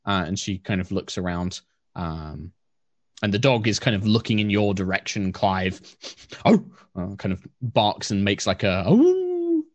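A man's voice: lowish voice, steady tone, dry recording. Man narrating as game master, dry sound. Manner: descriptive, unhurried, with frequent fillers.

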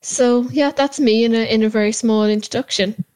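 A woman's voice: a little high, steady tone, moderate pace, darkish tone, smooth, no room sound. A woman with an Irish accent from Cork, a podcast guest talking with enthusiasm and often repeating words as she gathers her thoughts. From Ireland. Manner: enthusiastic, repeats words while searching for phrasing. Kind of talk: conversational interview. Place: home.

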